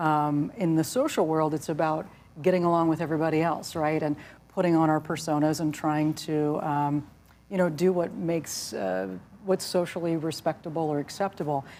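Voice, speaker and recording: A woman speaks in a very deep, low pitch with ordinary pitch variation. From Oregon, US. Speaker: psychologist. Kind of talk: interview. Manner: fast.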